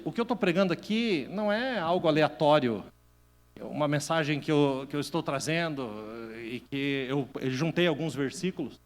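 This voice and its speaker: Brazilian pastor preaching in a reverberant hall. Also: male voice, a little high. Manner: animated storytelling, swinging between loud bursts and hushed asides. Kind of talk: sermon. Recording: long reverb of a church hall.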